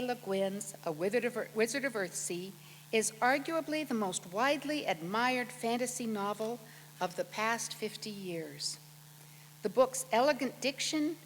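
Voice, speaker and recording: A woman's voice: fairly high pitch, fairly bright tone. A woman with an American accent giving a prepared introduction as host of an event, speaking to an audience. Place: large auditorium with long reverb. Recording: reverberant hall, clear background hum.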